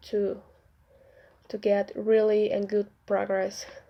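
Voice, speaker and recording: Speaking at a fairly slow pace, a woman has a non-native accent. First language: not English. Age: 20s. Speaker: fitness client giving testimonial. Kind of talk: testimony. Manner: halting, many fillers.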